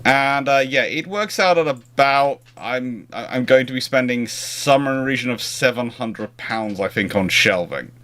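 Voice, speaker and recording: Male livestream host, mid-pitched voice, chatty and meandering, informal delivery with broken-off sentences. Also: normal speed, hardly any pauses, a bit bright. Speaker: livestream host answering naval history questions. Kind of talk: casual live stream chat.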